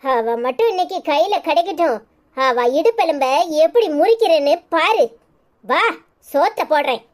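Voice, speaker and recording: A woman voicing a shrill tearful village mother. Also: animated, moderate pace. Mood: worried. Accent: Tirunelveli Tamil. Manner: fierce and tearful. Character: emotional, fiery village mother. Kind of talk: cartoon voice acting.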